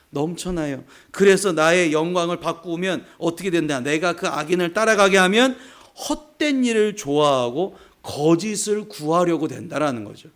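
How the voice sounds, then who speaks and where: Male pastor from South Korea, high voice, emphatic sermon delivery, answers his own questions. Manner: emphatic, asks the congregation questions and answers them himself; acts out short quoted voices of God and of tempted people.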